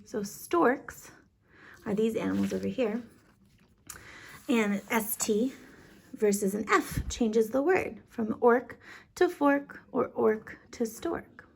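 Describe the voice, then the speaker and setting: Female kindergarten teacher: unhurried, fairly high voice, informal and encouraging step-by-step explaining. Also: creaky, husky, poor audio. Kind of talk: children's lesson, casual explaining.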